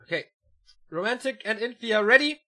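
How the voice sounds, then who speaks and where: A man casting a live esports match: fast, excitable play-by-play that climbs at big moments, and relaxed chat with viewers between games. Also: high voice. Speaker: esports caster. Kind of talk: live video game match commentary.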